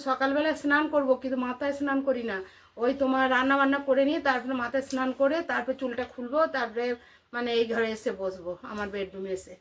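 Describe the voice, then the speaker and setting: A middle-aged woman with an Indian Bengali accent chatting casually to viewers in a home vlog, repeating herself and asking rhetorical questions. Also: high-pitched. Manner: chatty and repetitive, addressing listeners with frequent rhetorical questions. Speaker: housewife vlogger.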